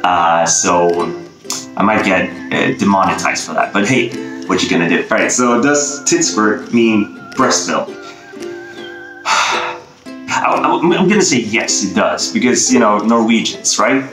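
A young man with a Swedish accent doing a casual quiz vlog, playful and laughing often as he sounds words out slowly, recorded on a webcam in a small bare room. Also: on the low side, wildly swooping pitch. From Sweden. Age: young adult. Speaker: YouTuber. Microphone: webcam framing, head and shoulders. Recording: echoey bare room, faint guitar music.

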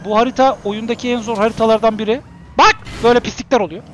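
A man in his forties chatting bluntly while playing a game, swearing freely and breaking into excited shouts. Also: high voice, rapid-fire, slight background noise. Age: 40s. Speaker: gaming streamer. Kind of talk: casual gameplay commentary.

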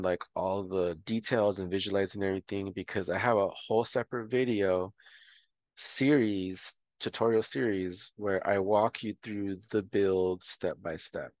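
A man's voice: low voice, no room sound. A man explaining a homesteading tutorial in a casual, rambling way, with frequent ums and restarts. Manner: relaxed, rambling with many fillers. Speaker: homestead educator.

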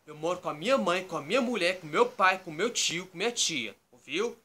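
Casual guy rambling into his webcam in the bedroom, bright slightly high voice, says "né?" every line. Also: expressive, brisk. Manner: repeats "tá?" and "né?" constantly, loose digressive storytelling. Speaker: YouTube vlogger. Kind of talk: rambling casual talk to camera. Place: bedroom at home, indoors.

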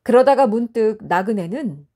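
A woman narrating a traditional folktale for an audiobook in a gentle storytelling manner. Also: fairly high pitch, lively intonation, normal speed.

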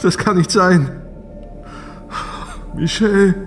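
A man acting as a distraught young space traveller in a sci-fi audio drama. His fairly high voice is halting, confused and emotional, stammering with self-doubt. Music plays clearly behind him. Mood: distraught disbelief.

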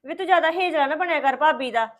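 A woman's voice: high voice, fast, a bit bright. An actress playing a young college student defending herself to her family. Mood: defensive. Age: young adult. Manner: defensive, explaining, hurt.

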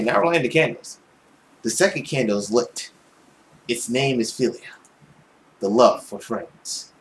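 A man's voice: medium pitch, a little hiss or hum, rough recording. A young man reading visual novel text aloud expressively, with his own commentary. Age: young adult. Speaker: video game player and narrator. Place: small room at home, indoors. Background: game music.

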